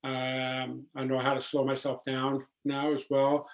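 Earnest man with a flat, deep voice. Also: measured pace. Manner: earnest, steady, with frequent ums and restarts. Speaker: podcast guest. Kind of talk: casual podcast conversation.

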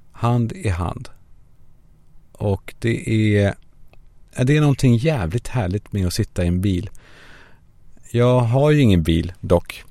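Young male podcast host, gravelly and dark-toned, dry close sound from a parked car, self-mocking rambling monologue. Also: lowish voice, no room sound. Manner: self-mocking, swearing, acts out voices in quotes.

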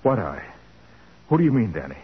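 An actor playing a calm, commanding male private detective in a brisk, authoritative 1940s radio drama style. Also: on the low side, slightly rough, heavily acted. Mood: grave, gentle. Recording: noisy, muffled old radio broadcast.

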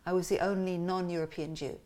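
Woman, lowish voice, animated storytelling guest. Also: a little fast. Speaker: interview guest, musician and cartoonist. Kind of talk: casual conversational interview.

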